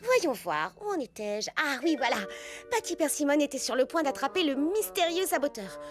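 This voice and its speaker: A young bookish cartoon heroine with a very high voice. She is polite and expressive, easily excited and a bit hesitant. Music plays clearly behind her. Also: moderate pace. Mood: cheerful. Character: bookish, excitable young female storyteller and skate inventor. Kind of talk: animated children's cartoon dubbing. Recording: background music under the voice.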